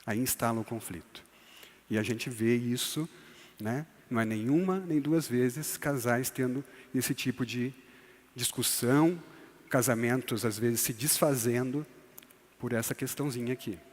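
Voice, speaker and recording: A man's voice: mid-range voice, measured pace. A man teaching a church couples course in a conversational way, often tagging his sentences with a questioning "né?". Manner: conversational, tags lines with "né?", acts out quoted voices. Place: church hall. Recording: long hall reverb.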